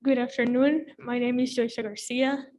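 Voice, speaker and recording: High-voiced teenage girl, off-mic. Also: level tone, moderate pace, darkish tone, a little hiss or hum. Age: teens. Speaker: student interviewer.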